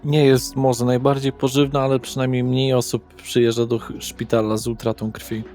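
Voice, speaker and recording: A man's voice: medium pitch, little pitch movement, normal speed, a little mellow, soft background music, lightly acted. A man voicing a weary, obliging hospital attendant with a brief, matter-of-fact manner in a roleplaying game.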